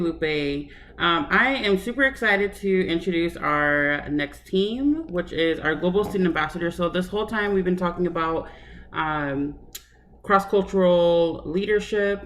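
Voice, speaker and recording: A woman moderating a student panel at a workshop, introducing speakers with enthusiasm. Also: on the low side. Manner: enthusiastic, friendly. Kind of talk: upbeat event moderation.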